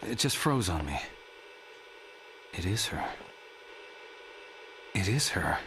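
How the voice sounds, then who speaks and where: A man's voice: sits low, sing-song, slow, vocal fry, fairly bright tone, full character voice, poor audio. A man voice-acting a confused, worried father in a video game cutscene, in a naturalistic style. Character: confused, worried father searching for his daughter. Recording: game cutscene audio, faint noise.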